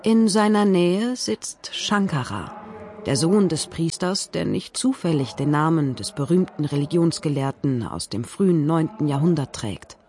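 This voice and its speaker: A man reading documentary narration in a clear, informative way. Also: a little high, expressive, measured pace, darkish tone. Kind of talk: scripted narration.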